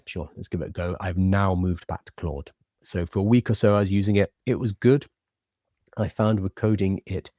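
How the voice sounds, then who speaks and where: A man with a deep, mellow voice hosts a casual live stream in a very dry-sounding space. He has a slight lisp and cannot say his R's, so they come out like w's. He talks informally, as if answering viewers. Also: no room sound.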